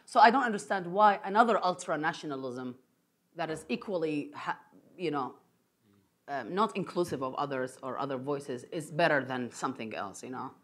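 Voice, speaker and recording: A man from Iraq whose first language is Aramaic, answering audience questions after a lecture with thoughtful, halting restarts. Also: on the high side, lively intonation, fairly bright tone. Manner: thoughtful, with frequent restarts and fillers.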